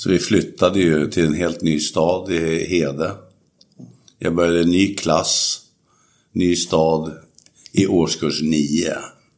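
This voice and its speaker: At a very slow pace, a man with a very deep, low pitch speaks in a monotone, flat intonation, with very even loudness and long, frequent pauses. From Stockholm, Sweden. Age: 60s. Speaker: carpenter and biker club member. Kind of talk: interview, life story. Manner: halting.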